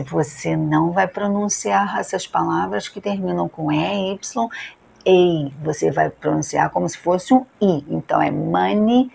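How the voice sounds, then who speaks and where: Gravelly-voiced Brazilian woman teaching pronunciation. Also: fairly low pitch, a little mellow. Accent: Brazilian Portuguese. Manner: clear, drilled model pronunciations with slowed English words. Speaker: English teacher. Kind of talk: pronunciation lesson to camera.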